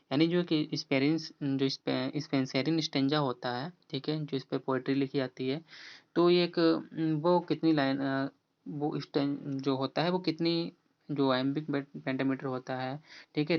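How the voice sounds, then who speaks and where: An exam-prep teacher who reads quiz questions slowly and explains the answers in a casual, repetitive way. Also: mid-range voice, muffled recording. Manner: repeats "okay friend" and the answer option often. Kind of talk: online exam-prep lesson.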